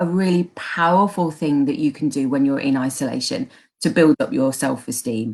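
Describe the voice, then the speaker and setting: This woman has a very deep, low pitch, a Birmingham accent, ordinary pitch variation and a moderate pace. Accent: Brummie. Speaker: life coach. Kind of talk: interview. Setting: live video stream.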